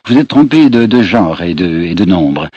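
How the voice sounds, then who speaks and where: A man's voice: low voice, big pitch swings, moderate pace, dark tone, slightly rough, dry recording, exaggerated voice. A man voicing an impassioned male orator addressing parliament, with rising, emphatic delivery. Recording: dull lo-fi archive recording.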